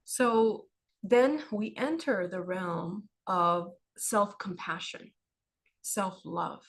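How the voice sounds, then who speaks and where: A hoarse woman giving a livestreamed spiritual talk in an unhurried, soft-spoken way, often repeating phrases. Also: mid-range voice. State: hoarse, losing her voice. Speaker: spiritual teacher.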